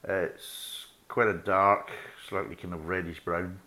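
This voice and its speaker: Deep-voiced Scottish man reviewing beer. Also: flat delivery, takes it slowly, bright, forceful tone. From Scotland. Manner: chatty, swears freely, laughs at own jokes. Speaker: beer review podcast host. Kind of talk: casual chat.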